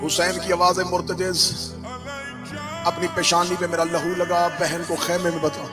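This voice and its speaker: A man preaching a mourning sermon, chanting his lines in a melodic sing-song that swells into loud cries. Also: sits high, flat delivery, normal speed. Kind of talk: Muharram mourning recitation. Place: standing between processional banners. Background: loud music behind the voice.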